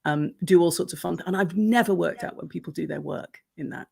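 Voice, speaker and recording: A middle-aged woman with an English accent, a coach talking as a podcast guest, animated and thoughtful. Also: fairly low pitch, a little fast, vocal fry, husky. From Irish, grew up in Pakistan and Nigeria. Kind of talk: casual conversational interview. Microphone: video call.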